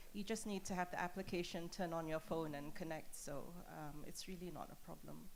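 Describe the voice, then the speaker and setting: With a Malaysian accent, a woman talks at a fairly quick pace in a fairly low voice. Her intonation is fairly even, and the room echo is audible. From Brunei. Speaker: judge and court administrator. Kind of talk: panel discussion. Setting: conference panel.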